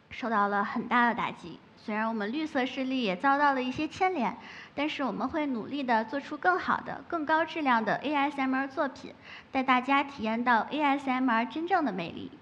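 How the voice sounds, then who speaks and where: A woman who makes ASMR, giving a lively public talk from a stage with playful asides. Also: high voice. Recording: echoey hall, muffled, faint noise.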